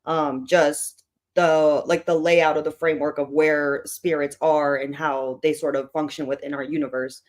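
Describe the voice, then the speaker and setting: A hoarse book club host with a tired voice, chatting loosely with many fillers while opening an online meeting. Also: medium pitch, little pitch movement, normal speed.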